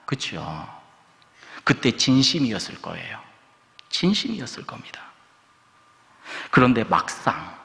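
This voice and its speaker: Male pastor, sermon in a reverberant church hall, animated pitch, rhetorical questions, loud-to-whisper swings. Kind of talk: Sunday sermon. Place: church sanctuary.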